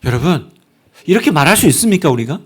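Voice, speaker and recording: High-voiced emphatic male pastor preaching. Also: very animated, quick pace, slightly rough. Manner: emphatic, with sudden swings between loud and hushed. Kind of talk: sermon.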